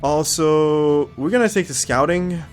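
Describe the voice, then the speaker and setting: This let's-play host has a fairly high voice and takes his time, with soft music playing underneath. He sounds a little congested from a cold as he reads in-game text, thinks aloud, and fills pauses with frequent ums.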